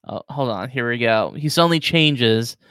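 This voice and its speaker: Male game master, smooth resonant voice, relaxed, dry close mic. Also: medium pitch, moderate pace, dry recording. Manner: relaxed, describes creatures with filler words. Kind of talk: running a tabletop game.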